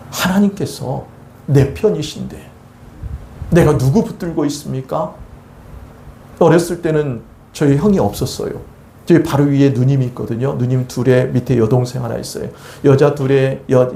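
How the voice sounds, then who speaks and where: Korean pastor preaching in an echoey church. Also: male voice, mid-range voice, gravelly, slight background noise. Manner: storytelling, switches between soft and emphatic. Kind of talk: sermon. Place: church sanctuary.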